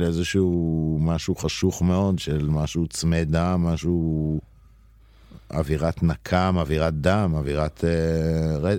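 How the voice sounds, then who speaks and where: A man's very deep, low voice with a dark, mellow tone, monotone and very even in loudness, at a very slow pace on a very clean recording with a silent background. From Israel, Jerusalem. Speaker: mentor and martial arts coach. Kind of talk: podcast interview. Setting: studio.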